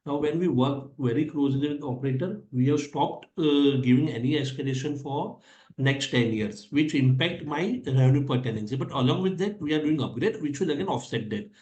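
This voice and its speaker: A man's voice: fairly high pitch, a little fast, darkish tone, lo-fi sound. A man with an Indian accent, a company executive answering analyst questions on an earnings call in an explanatory way, repeating his points. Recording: echoey conference call audio.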